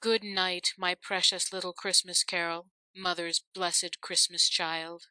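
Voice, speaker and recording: A woman reading as a gentle, anxious mother. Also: fairly low pitch, flat delivery, takes it slowly, smooth, no room sound, full character voice. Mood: tender, soothing. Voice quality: soft, gentle.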